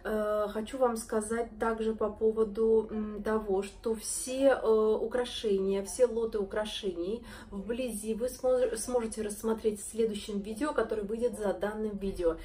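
A woman in her thirties, hoarse from a cold, chattily presenting jewelry to camera in a shop. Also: medium pitch, fairly even intonation, normal speed, hardly any pauses, dark tone. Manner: admiring, chatty, addresses viewers as girls and friends. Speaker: jewelry seller presenting a collection. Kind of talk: casual sales presentation to camera. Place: jewelry shop with display cases, indoors. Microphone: phone or camera close up, front-facing.

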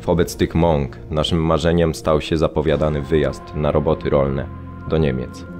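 An actor playing a sombre former political prisoner, recalling his past in a measured, reflective radio drama monologue. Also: extremely low pitch, level tone, over music. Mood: grave, reflective.

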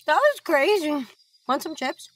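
A woman's voice: high-pitched, very animated, unhurried. A woman playing a teasing, bossy but caring young woman in a naturalistic audio drama, coaxing playfully.

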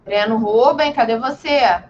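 A woman's voice: a little high, slight background noise. A woman teaching an online class to young children, patient and encouraging, with lo-fi video call audio. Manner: patient, slow and encouraging, calls herself "tia". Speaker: primary school teacher.

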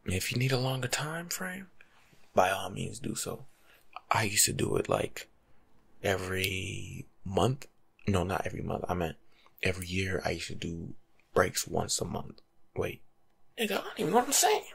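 A young man doing soft-spoken ASMR as a laid-back, rambling life coach, husky and often slipping into a whisper. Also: lowish voice, sing-song, moderate pace. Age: young adult. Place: small room at home.

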